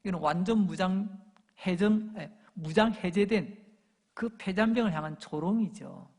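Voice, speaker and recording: A male pastor delivering an animated sermon to his congregation, acting out the shouts and taunts of crowds as he preaches. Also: high voice, a little slow. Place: church sanctuary. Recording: long church hall reverb.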